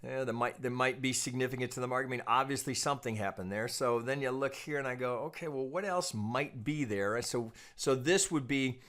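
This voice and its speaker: Man explaining charts in a measured way. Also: medium pitch, fairly bright tone. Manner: explanatory, repeats phrases, checks in with "right?". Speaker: trading analyst and teacher. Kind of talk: informal technical analysis commentary over charts.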